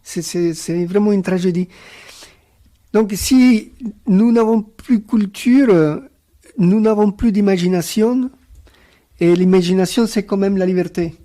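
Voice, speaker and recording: On a round-table panel, a male guest author whose first language is Spanish talks in a high-pitched, mellow voice. His delivery is thoughtful and hesitant, full of pauses and fillers, and his manner is reflective and philosophical.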